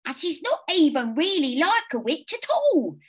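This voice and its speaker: A woman doing an excitable little boy. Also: high voice, moderate pace, pitched above the performer's own voice. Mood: eager. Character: young boy, excitable brother.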